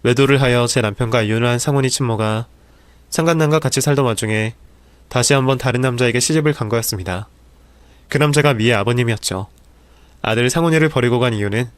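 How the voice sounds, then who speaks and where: A man reading a dramatic real-life story as scripted narration, in a steady telling voice. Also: mid-range voice, clear, resonant tone, no echo.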